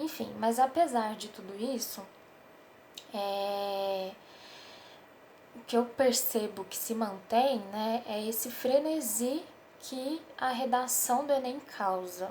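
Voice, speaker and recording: Very slow and dark, mellow in tone, a woman's voice shows big swings in loudness and ordinary pitch variation. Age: 20s. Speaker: law student and essay-writing tutor. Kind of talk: casual educational vlog. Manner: conversational with frequent fillers.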